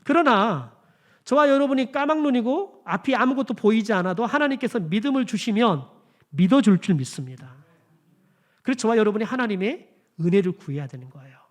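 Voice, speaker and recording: A male pastor delivers a Sunday sermon in a high, very animated voice that rises and falls all over. He keeps turning to the congregation with direct questions that he answers himself. His emphatic lines drop into quiet, hushed phrases. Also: a little fast. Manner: addresses the congregation often as "여러분", asks questions and answers them himself. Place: church sanctuary.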